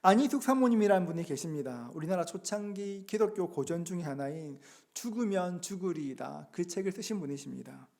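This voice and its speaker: Earnest high-voiced pastor preaching. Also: male voice, animated, fairly quick, creaky, hardly any pauses. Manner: earnest, asks the congregation rhetorical questions; gently acts out quoted words. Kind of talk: Sunday sermon.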